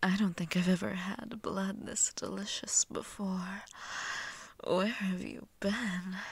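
The speaker is soft-spoken and very slow. The sound is dry, with no echo. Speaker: voice actor playing a vampire. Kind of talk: roleplay character performance. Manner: soft, close ASMR vampire voice.

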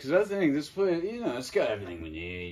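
A man speaks in a put-on character voice. His words come out in a drawl. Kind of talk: comic overacting. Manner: drawling, laid-back street slang, keeps saying cuz and man.

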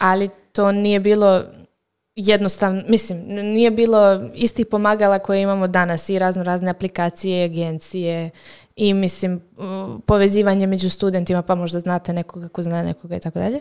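Over a quiet background, a woman talks at a fairly quick pace in a monotone, flat intonation. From Montenegro, Herceg Novi; Montenegro. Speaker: graduate student; podcast guest. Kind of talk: interview. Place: studio. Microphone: studio mic.

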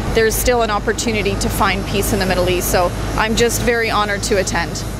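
A woman talks at a very fast pace in a dry sound with no echo. Noticeable background noise runs underneath. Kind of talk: interview answer. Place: open country. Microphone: handheld.

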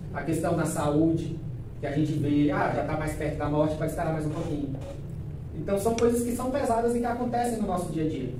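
Room echo is audible, and background noise is noticeable. The man speaking has a fairly high pitch. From Tocantins, Brazil. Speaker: law student. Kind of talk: student project presentation. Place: classroom. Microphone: camera far.

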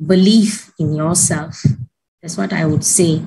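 At a fairly slow pace, a woman with a fairly low pitch speaks in a somewhat breathy voice with ordinary pitch variation. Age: 40s. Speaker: schoolteacher, program participant. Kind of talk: testimony. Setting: video call. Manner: halting. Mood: happy, proud. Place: home room. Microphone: video call.

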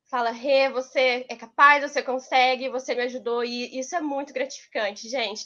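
Against a quiet background, a woman projects a raised, high-pitched voice with a bright, sharp tone, fairly even intonation and a moderate pace. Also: hardly any pauses. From Brazil, Londrina, Paraná. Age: 20s. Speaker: teacher. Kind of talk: testimony. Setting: live stream. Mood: emotional, grateful, smiling. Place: home room. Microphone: headset.

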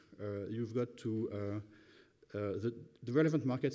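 A man with a French accent, medium pitch and a dark, mellow tone, at a very fast pace with ordinary pitch variation, over a quiet background. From France. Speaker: competition regulator; panellist. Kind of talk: panel talk. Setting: conference stage with audience. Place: hall. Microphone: podium.

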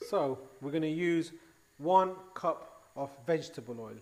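Ordinary pitch variation in a man's speech. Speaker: presenter. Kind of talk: tutorial. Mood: warm, enthusiastic.

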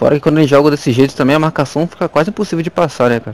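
Speaking very fast in an animated tone, a man talks with a Brazilian accent. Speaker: gaming youtuber. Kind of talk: gameplay commentary. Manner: casual, animated.

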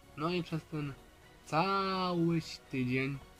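A man at a very slow pace with ordinary pitch variation, faint music in the background. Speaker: vlogger. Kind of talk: casual vlog chat. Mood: reflective, slightly uneasy. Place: home room. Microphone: phone near.

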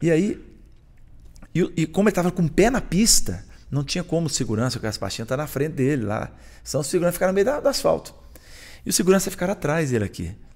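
The voice swings very widely in pitch and races at a very fast pace, broken by long, frequent pauses. The background is quiet. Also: man, high pitch for a man. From Brazil. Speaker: pastor. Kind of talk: casual chat. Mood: animated storytelling. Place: studio. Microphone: studio mic.

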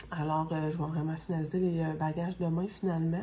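A woman with a Quebec accent speaks at a fairly slow pace with fairly even intonation over light background noise. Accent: Québécois French. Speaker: family vlogger, mother; family vlogger. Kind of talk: casual vlog talk to camera. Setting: outdoors at the bus stop. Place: home room. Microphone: phone near.

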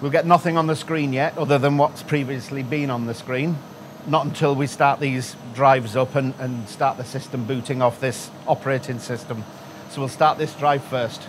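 A man at a moderate pace with fairly even intonation amid noticeable background noise. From England. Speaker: museum volunteer restoring vintage computers. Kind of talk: machine tour and demonstration. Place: workshop.

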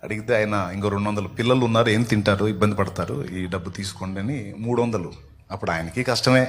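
Noticeable background noise behind a man's fairly low-pitched voice. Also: ordinary pitch variation. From Andhra Pradesh, Guntur district (Chilakaluripet). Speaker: pastor. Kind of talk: testimony.

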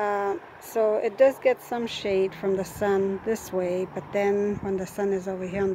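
A woman speaks at a fairly slow pace. The sound is dry with no echo, though background noise is noticeable. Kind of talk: casual vlog chat. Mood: mildly frustrated, relaxed. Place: garden. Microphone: phone near.

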